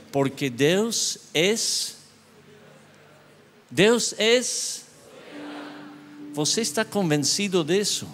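A man with an English-speaking accent preaching a sermon with storytelling, slow and emphatic, rising sharply when excited. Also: mid-range voice, a little hiss or hum. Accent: English-speaking, with Spanish mixed into his Portuguese. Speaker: guest preacher. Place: church hall. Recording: long church-hall reverb.

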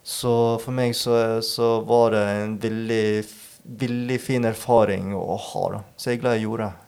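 A man, an author and podcast guest, speaking in a thoughtful, halting way and often searching for his words. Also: mid-range voice, flat delivery, vocal fry, darkish tone, smooth. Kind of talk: reflective interview talk.

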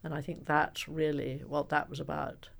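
Gravelly woman, animated storyteller. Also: low voice, moderate pace. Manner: animated storyteller, emphatic, frequent ums. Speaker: biographer and author being interviewed. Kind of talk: conversational interview.

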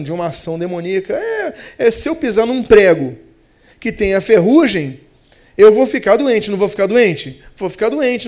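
Here a man with a high, mildly mellow voice delivers a sermon as pastor, speaking with a Brazilian Portuguese accent. His pacing shifts between slow emphasis on key words and quick asides.

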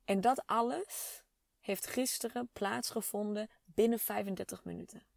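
A woman's voice: medium pitch, normal speed, creaky, darkish tone, no room sound, studio quality. A woman in her thirties telling a personal story to her listeners in an open, chatty, emotional way with plenty of fillers. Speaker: vlogger speaking to a female audience.

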